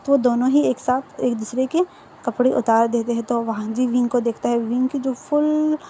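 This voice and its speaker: A woman's voice: a little high, steady tone, normal speed, dark tone, a little hiss or hum. A woman casually retelling a fan fiction story in a chatty, loose way. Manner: chatty, full of fillers and restarts.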